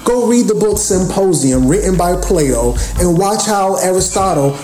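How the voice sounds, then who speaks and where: A man in his late thirties, holding forth in a loose monologue and answering his own rhetorical questions. His voice is mellow and dark, recorded in an echoey room with faint music underneath. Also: high-pitched, animated, normal speed. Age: 30s. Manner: preachy, repetitive, rhetorical questions. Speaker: podcast host. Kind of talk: casual monologue.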